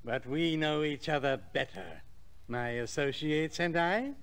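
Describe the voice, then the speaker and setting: A stuffy wino philosopher, slow n formal, lightish voice, old radio show. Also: male voice, a little high, a bit bright, smooth. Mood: pompous, genteel. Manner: formal, florid, unhurried. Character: pompous male philosopher of Skid Row winos. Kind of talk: 1940s radio acting.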